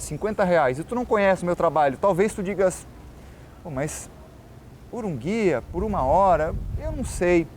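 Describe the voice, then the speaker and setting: A man's voice: a little high, a little mellow, slight background noise. A man from Florianópolis with a local manezinho accent, a tour guide and journalist talking earnestly in an interview and explaining his points. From Florianópolis, Brazil. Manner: earnest, explanatory, addresses the host by name. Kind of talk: casual interview talk.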